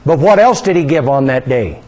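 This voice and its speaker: A man's voice: medium pitch, expressive, fairly quick, dark tone. A man preaching a sermon, reading scripture aloud and asking his congregation questions.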